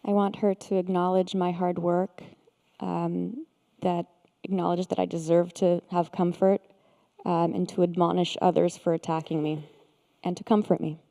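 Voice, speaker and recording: A woman sharing a painful personal story, hesitant and halting, often pausing with fillers. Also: lowish voice, flat delivery, vocal fry, warm tone. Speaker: participant, therapist.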